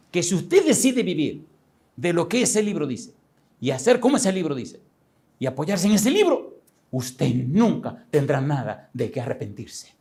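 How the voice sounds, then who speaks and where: A man's voice: on the high side, very animated, unhurried, mellow. An older man acting out a wealthy man dressed in black who turns shaky and frantic, repeating his words with urgent insistence. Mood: frantic, insistent.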